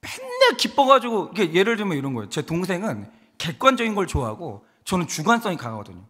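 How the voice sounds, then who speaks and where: Male pastor, 30s, husky and high-pitched, animated sermon with long hall reverb. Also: quick pace. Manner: animated storytelling with acted quotes. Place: church sanctuary.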